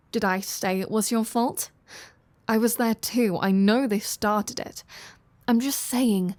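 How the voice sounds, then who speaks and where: A teasing, sardonic vampire woman, played by a woman, talks straight to the listener in an intimate audio roleplay. She takes her time, with a casual, flirty manner and a mid-range pitch. The sound is very dry, with no room around it. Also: a little mellow, dry recording, lightly acted. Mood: wry, indignant. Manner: teasing, casual, sardonic, with sighs and drawn-out phrasing.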